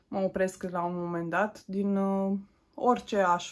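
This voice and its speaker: A woman speaks against a quiet background. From Romania, Bacău; Romania. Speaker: YouTuber; vlogger. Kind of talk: casual Q&A vlog. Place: home room. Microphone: phone near.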